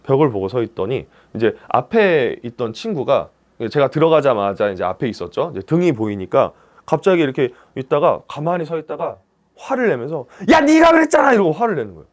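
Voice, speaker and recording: Man, stage actor, career talk, animated storytelling, lively pitch. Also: a little fast. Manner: animated storytelling, acts out dialogue. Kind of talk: career talk to young people.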